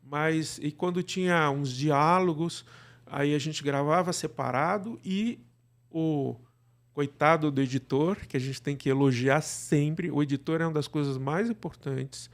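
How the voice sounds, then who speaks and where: A Brazilian man talks as a guest in an interview, explaining his work as a director. His voice sits a bit high for a man and carries a lot of gravelly fry. He often ends phrases with small tags seeking agreement. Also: measured pace.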